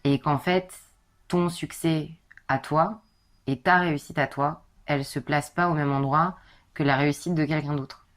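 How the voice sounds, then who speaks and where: A young woman with a low, husky voice, chatting casually as a podcast guest and filling her talk with informal asides. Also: fairly even intonation, normal speed. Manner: chatty, informal, many fillers.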